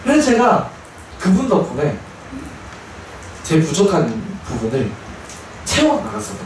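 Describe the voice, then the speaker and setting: A male Buddhist chaplain giving a storytelling dharma talk, his fairly high voice rising and falling with animation. He slips into other people's voices as he recounts events. The sound comes from away from the mic in a boomy, reverberant hall with faint ambience. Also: wildly swooping pitch, measured pace, creaky, a little hiss or hum. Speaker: Buddhist military chaplain monk. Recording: echoey hall, voice from far off.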